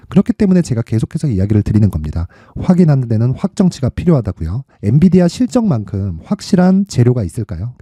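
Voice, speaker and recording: Dark-voiced, husky man presenting stock commentary. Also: medium pitch, dry recording, clean studio sound. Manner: assertive, explanatory, rhetorical questions. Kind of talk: persuasive stock market commentary.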